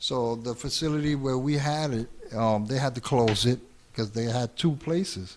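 A plain, everyday voice: a man at medium pitch with an American accent, moderate pace and ordinary pitch variation. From New York City. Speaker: graffiti artist. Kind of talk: casual interview.

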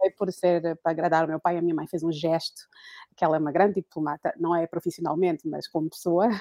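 A woman talks at a very fast pace with a dark, mellow tone and fairly low pitch. Her intonation is monotone and flat, and the sound is dry and close with no echo. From Angola, Luanda. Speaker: politician, party founder. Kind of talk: interview.

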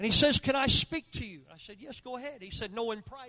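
A man's raised, projected voice at an extremely high pitch, bright and sharp in tone, with an Oklahoma accent and a fairly quick pace. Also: dry, close sound with no echo. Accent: Oklahoma Southern-Midland American. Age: 50s. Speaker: preacher. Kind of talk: sermon.

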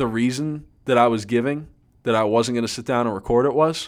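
An unremarkable speaking voice from a man with an American accent, medium pitch, fairly even intonation and moderate pace, on a very clean recording with a silent background. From Erie, Pennsylvania. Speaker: podcast host, financial services professional. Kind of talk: solo motivational monologue. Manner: casual, with fillers and repetitions.

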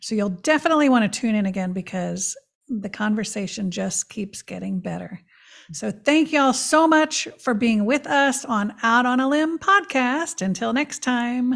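A woman's normal speaking voice with an American accent, fairly high in pitch, lively in intonation, at a moderate pace. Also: very clean recording, silent background.

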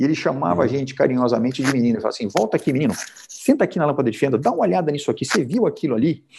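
The speech races along at a very fast pace in a somewhat breathy voice. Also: man, fairly high pitch for a man, lively intonation. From Goiânia, Brazil. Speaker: ophthalmologist. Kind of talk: interview. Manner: talkative, casual.

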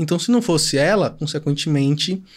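This man has a plain, everyday voice at a fairly high pitch. His intonation is lively. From Bahia interior, Brazil. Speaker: digital marketing specialist, former medical student. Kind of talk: interview.

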